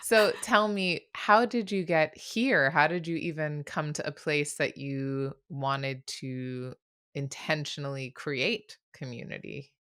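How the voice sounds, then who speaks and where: Slow, low-voiced woman podcast host. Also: steady tone, fairly bright tone, clean tone. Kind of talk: podcast interview conversation.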